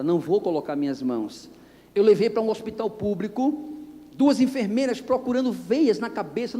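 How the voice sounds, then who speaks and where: A male pastor with a strikingly high voice tells a sermon story, acting out every exchange and breaking into shouts. His voice rings through a church hall with a long, trailing reverb. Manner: animated, acts out dialogue, bursts into shouts. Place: church anniversary service.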